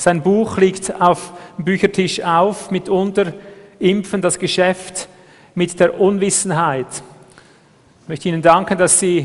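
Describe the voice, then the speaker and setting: Fairly slow and monotone, a man speaks with a high pitch and flat intonation. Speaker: congress organizer introducing speaker. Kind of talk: stage introduction and speech. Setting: stage with audience.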